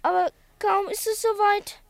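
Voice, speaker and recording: A woman's voice: very high voice, level tone, normal speed, gravelly, no room sound. A woman playing a timid schoolboy in a radio play, talking in an earnest, self-reproaching way. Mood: ashamed. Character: timid schoolboy who keeps running away.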